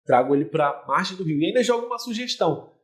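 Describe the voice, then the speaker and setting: A man's voice: high voice, animated, quick pace. Brazilian man coaching viewers directly. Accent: Brazilian Portuguese. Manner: talks straight to the viewer, explaining with everyday images. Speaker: relationship mentor. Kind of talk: direct-to-camera coaching talk.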